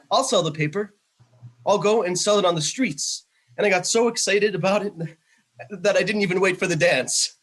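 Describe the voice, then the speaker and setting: A man reading the part of an eager, excitable student boy in a stage play over a video call. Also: on the high side. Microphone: video call microphone.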